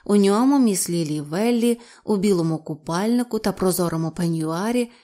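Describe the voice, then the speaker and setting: A woman narrating an audiobook with an even, expressive reading. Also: medium pitch, normal speed. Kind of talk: storybook narration.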